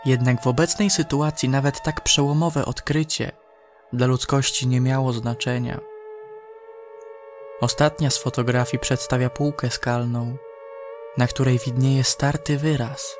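A man narrates an audio drama slowly and solemnly, like someone reading out an official report. His voice is of medium pitch, with music playing underneath. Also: level tone.

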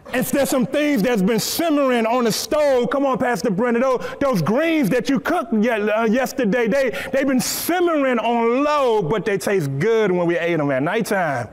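A young man with a high, light voice preaches from a church stage into a headset mic. He talks in a lively, repetitive way and keeps restarting his words with little stammers. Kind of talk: sermon. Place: church stage, seated on a stool.

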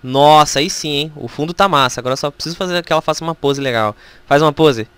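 A game streamer with a Brazilian Portuguese accent, excitedly commenting on gameplay during a live stream and talking straight to the game. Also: medium pitch, quick pace, clear, resonant tone, no echo.

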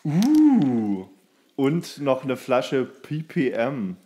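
A man in his thirties co-hosting a podcast in relaxed, informal conversation. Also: medium pitch, very slow, slightly rough. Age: 30s. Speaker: podcast co-host. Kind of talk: casual chat.

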